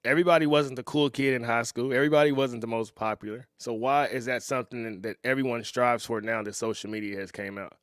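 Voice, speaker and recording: A man in his thirties hosting a reaction video, talking in a relaxed, conversational way and often chuckling. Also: mid-range voice, fast talker, few pauses, clear, resonant tone, no echo, studio quality. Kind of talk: casual reaction commentary.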